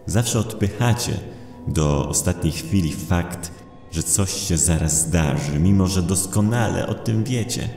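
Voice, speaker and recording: Mroczny, bardzo niski demon chaosu grany przez mężczyznę. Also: male voice, sits low, warm tone, roomy sound, pitched above the performer's own voice. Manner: scornful, lecturing, theatrical. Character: male dark supernatural manifestation of chaos, scornful, menacing. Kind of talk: audio drama horror acting.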